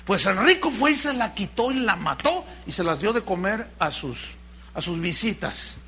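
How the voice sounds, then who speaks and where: A man's voice: sits high, animated, moderate pace, sharp tone, slight background noise. A man, a pastor preaching a sermon with dramatic rhetorical questions.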